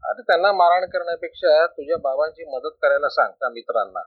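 A tearful, worried mother pours out her troubles, voiced by a man reading aloud. The voice sits slightly high, close and dry. The sound is muffled and lo-fi. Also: lively intonation, fast talker, no room sound. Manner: complaining, pleading. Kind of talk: storybook reading. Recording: dull lo-fi recording.

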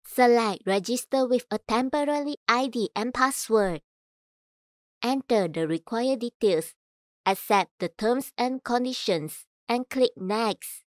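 A woman reading scripted voice-over in a measured, clearly enunciated way. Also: fairly high pitch, no room sound, studio quality. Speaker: voice actor. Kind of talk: voice-over demo reading of commercials, narration and announcements.

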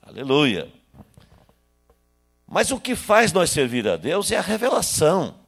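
A man in his sixties from Brazil, preaching a sermon into a handheld microphone in a small church hall, swinging between loud bursts and hushed asides. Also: on the high side, wildly swooping pitch, unhurried, creaky, husky. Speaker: pastor.

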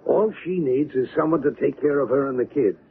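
A man's voice: mid-range voice, brisk, natural voice. A man acting in a 1970s radio drama as a stubborn, dismissive fellow with a brusque, colloquial manner. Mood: stubborn, irritated. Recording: tinny, noisy old radio drama recording.

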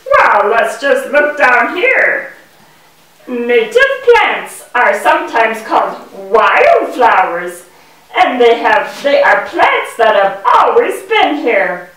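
A woman voicing a gentle, polite talking bee in a children's puppet show, explaining things simply and theatrically. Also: on the high side, big pitch swings, takes it slowly, exaggerated voice. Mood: earnest explaining. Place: indoor room with puppet stage. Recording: echoey room, distant microphone.

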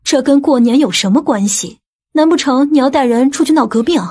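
A woman's voice: high voice, brisk, warm tone, natural voice. A woman playing an older, fretful mother in an audiobook drama, nagging and questioning. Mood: surprised, doubting.

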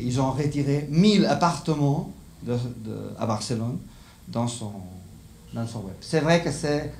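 A middle-aged conference speaker with a Spanish accent gives a live lecture in French, which is not his first language, often hesitating as he searches for words. His mid-range voice is a little mellow, with vocal fry. He uses a handheld microphone before a seated audience in an echoey indoor lecture room with slight background noise.

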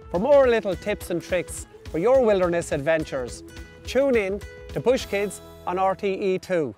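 A man's voice: high-pitched, animated, moderate pace, darkish tone, faint music behind. A man, presenting bushcraft tips for children outdoors in a forest, explaining each step in a friendly, demonstrative way. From Ireland.

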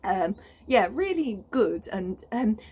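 Taking it slowly but very animated, this British woman in her thirties has a mid-range voice that's mellow and slightly rough. She's a gardening vlogger talking casually to camera on her allotment plot in the UK, keen and full of ums and restarts.

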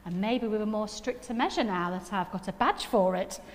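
A middle-aged woman with a Nottingham accent preaches in a reverberant hall. Her voice sits at an average pitch, and she talks in a chatty, self-deprecating way, often checking in with tag questions. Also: normal speed, a little hiss or hum. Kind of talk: informal sermon with personal anecdotes. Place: church hall stage at a lectern. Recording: echoey hall with long reverb.

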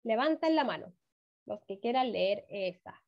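Woman, first-grade teacher, encouraging, unhurried, dull video-call sound. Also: on the high side, expressive, creaky. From Chile. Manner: warm encouraging praise, drawn-out words, frequent "muy bien". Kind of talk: online class teaching reading.

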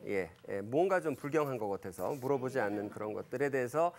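A man in his fifties gives a church lecture, his voice gravelly and edged with fry. His pitch swings widely as he acts out the quoted lines in a lively way. He fills the gaps with hesitations and corrects himself as he goes. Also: quick pace. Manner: frequent fillers and self-corrections. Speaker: Christian lecturer. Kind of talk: church lecture with Bible storytelling.

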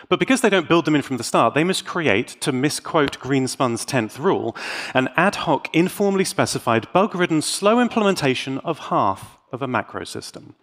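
A British man delivering a scripted tech talk as a conference speaker, theatrical and wry, with dramatic pauses. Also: mid-range voice, fairly bright tone. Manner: wry, tongue-in-cheek.

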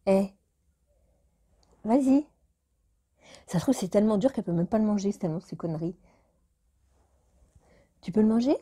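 A woman's voice: medium pitch, lively intonation, normal speed, long pauses, warm tone. A woman vlogger chatting casually to her viewers in a rambling way, now and then talking to her cat. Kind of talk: casual chat to camera.

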